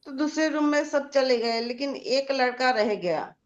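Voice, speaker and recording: A woman telling a moral story to a team meeting in a slow, plain way with restarts. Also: high-pitched, dull audio.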